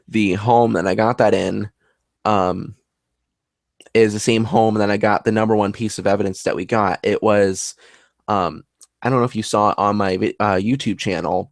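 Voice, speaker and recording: A man with a low, gravelly voice chats about his work as a paranormal investigator. He talks in an earnest, rambling way, and the sound is close and dry with no room echo. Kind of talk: casual conversation.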